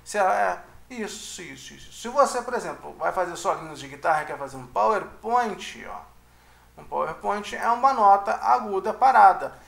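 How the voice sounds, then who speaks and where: A man's voice: high voice, lively intonation, normal speed, gravelly, a bit bright, reverberant. A man with a Brazilian Portuguese accent giving a casual music lecture, often checking in with his listeners. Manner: chatty, checks in with "né?" and "tá?". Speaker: music teacher.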